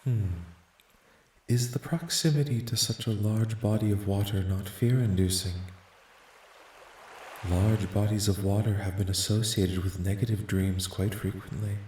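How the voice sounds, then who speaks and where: A man voicing a calm, curious alien in an ASMR roleplay, speaking softly with formal, detached, precise wording. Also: lowish voice, measured pace, reverberant, a little hiss or hum, lightly acted. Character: calm, curious, clinical male alien studying human dreams. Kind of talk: soft-spoken ASMR roleplay, scripted.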